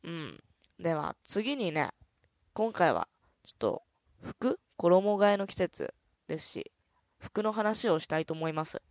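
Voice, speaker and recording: A woman hosting a casual radio talk show, soft-spoken and easygoing, with a stuffy nose. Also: lowish voice, very animated, a little slow, long pauses, dry recording, studio quality. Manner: soft, easygoing, chatty, with many "un" fillers. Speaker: radio host.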